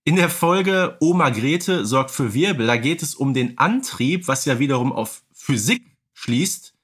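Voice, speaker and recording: A man's voice: mid-range voice, expressive, measured pace, a bit bright, slightly rough. A man hosting a podcast, talking casually in a fan discussion. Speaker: podcast host.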